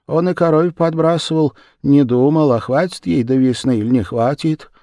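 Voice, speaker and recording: A man's voice: on the high side, moderate pace, warm tone, no echo, lightly acted. A weary old mother complains in a plaintive, raised voice, as a man reads her. The sound is dry and close. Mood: complaining. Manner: plaintive, tired.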